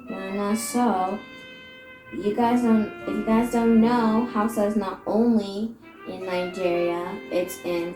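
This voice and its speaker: A young woman with a Canadian accent chats in a mid-pitched voice, taking her time. Her talk is loose and halting, full of filler "like". Music plays clearly behind her in an echoey room. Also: steady tone. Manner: halting, peppered with "like". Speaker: co-host. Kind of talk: casual chat.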